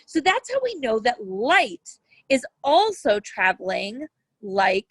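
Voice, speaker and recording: A woman's voice: fairly high pitch, big pitch swings, slow, husky, no echo, rough recording. A woman science educator presenting a lesson for young children, explaining things in simple terms as she reads and demonstrates.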